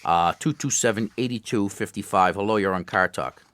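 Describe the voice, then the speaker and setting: A man's voice: fairly low pitch, moderate pace, dry recording. An older man co-hosting a call-in radio show, joking and laughing often as he gives car advice. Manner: jokey, laughs often, lively sing-song delivery. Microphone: studio microphone.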